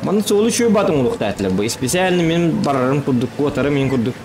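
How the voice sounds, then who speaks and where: A man's voice: medium pitch, lively intonation, fast. A man giving casual live gameplay commentary, muttering remarks to himself as he plays. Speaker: game streamer. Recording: game noise and engines behind the voice.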